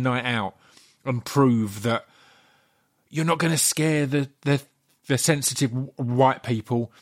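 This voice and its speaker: A man's voice: medium pitch, fairly bright tone. A man who hosts a podcast and asks questions casually, often restarting his sentences. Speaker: podcast host. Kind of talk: casual interview.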